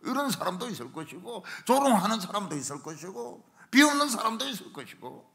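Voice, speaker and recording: A middle-aged man preaching a revival sermon in a church, telling stories and acting out shouted quotes. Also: sits high, brisk. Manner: animated storytelling, acts out shouted quotes. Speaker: pastor. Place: church sanctuary.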